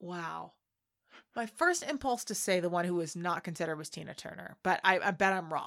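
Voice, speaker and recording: Animated in tone, a woman with an American accent talks at a fairly quick pace in a fairly low pitch, with ordinary pitch variation and big swings in loudness, in a very clean recording with a silent background. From Texas. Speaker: film podcast co-host. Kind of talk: casual chat.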